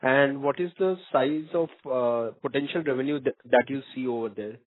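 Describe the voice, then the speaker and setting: A man's voice: mid-range voice, normal speed, dry recording. A man, an analyst politely asking questions on a conference call. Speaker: financial analyst caller. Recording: dry narrowband phone line.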